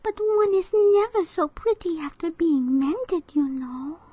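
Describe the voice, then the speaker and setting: A woman's voice: extremely high pitch, expressive, measured pace, mellow, no room sound, voice pushed up. A woman voicing a timid, prim young china princess in a storybook reading, speaking delicately.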